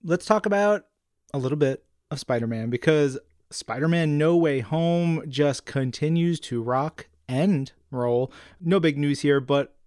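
A man's voice: a little high, unhurried, darkish tone, dry recording, clean studio sound. A man co-hosting an entertainment podcast, chatting in an upbeat, playful way with emphatic hype. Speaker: podcast co-host. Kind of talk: upbeat co-hosted podcast chat about comics and entertainment.

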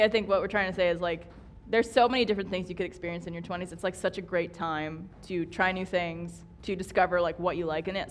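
A woman's voice: fairly low pitch, slight background noise. A woman in her late twenties co-hosting a live podcast, playful and teasing, then earnest and upbeat. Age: 20s. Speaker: podcast co-host. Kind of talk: casual chat before a live audience.

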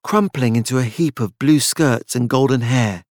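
A man narrates a literary tale with measured drama. His voice sits at an average male pitch, and the recording is dry and intimate, free of room sound. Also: a little mellow, dry recording. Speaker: audiobook narrator. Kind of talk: scripted literary story narration.

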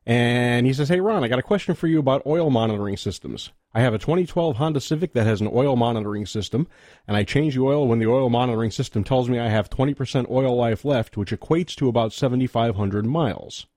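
A man's voice: medium pitch, fast, darkish tone, no echo. A man in the radio studio who jokes with the host and reads out a listener's question. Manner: joking and playful with the host. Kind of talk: reading a listener question on air. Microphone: studio microphone.

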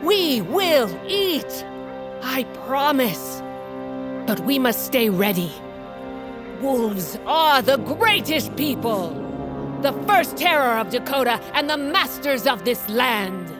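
A commanding tribal queen, played by a woman, stern and rallying in a fantasy audio drama. Her voice sits slightly high, with clear music playing underneath. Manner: authoritative, rallying speeches. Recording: music bed behind voice.

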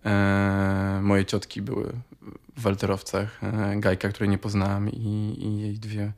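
A man from Poland, around forty, recalling family memories in a halting, thinking-aloud way. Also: on the low side, monotone, a little mellow. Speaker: interviewee, relative of former scouts. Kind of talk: personal reminiscence.

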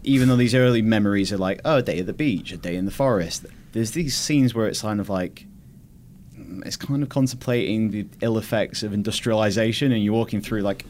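A man with a British accent and a fairly low voice talks through games in a thoughtful, explanatory way. He sounds like a guest on a casual podcast, with some noise behind him. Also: fairly quick, darkish tone. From United Kingdom. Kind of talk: casual game discussion.

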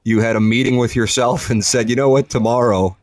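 A man's voice: medium pitch, steady tone, a little fast, no room sound. A man hosting a casual sports radio show, teasing his partner dryly and reading out listener texts. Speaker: sports talk radio host. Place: radio studio. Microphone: close studio microphone.

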